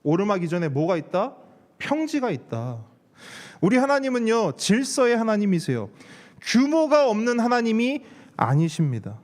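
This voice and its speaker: A man's voice: high voice, sing-song, normal speed, a little mellow. A man preaching a sermon as a pastor, putting rhetorical questions to his congregation and repeating key words for emphasis. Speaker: pastor preaching at a church service. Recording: reverberant hall sound.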